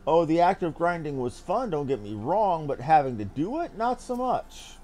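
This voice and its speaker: Male game streamer, slightly high voice, very animated intonation, casual, chatty, slangy. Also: normal speed. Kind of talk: casual gameplay commentary.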